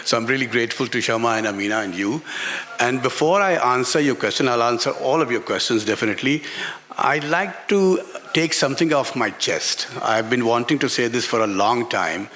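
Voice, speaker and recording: A man of medium pitch speaks as a guest author on stage. He tells a personal story candidly and reflectively, often halting and hesitating as he finds his words. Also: expressive, a bit bright. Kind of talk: candid personal storytelling at a live book talk. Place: literature festival stage before an audience.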